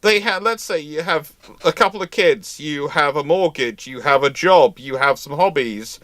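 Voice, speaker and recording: A man talks through viewer questions on a live stream in a loose, conversational way. He is animated and emphatic and laughs easily, and his voice sits dry and close to the mic with little room sound. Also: on the high side, normal speed, dry recording. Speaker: host of a live history Q&A. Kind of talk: casual live-stream chat.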